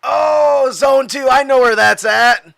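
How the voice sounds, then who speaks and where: A man's voice: extremely high pitch, slow pace, gravelly, fairly bright tone, dry recording, clean studio sound, pitched above the performer's own voice, heavily acted. A man voicing a laid-back stoner security guard with a drawling, easygoing voice. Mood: surprised.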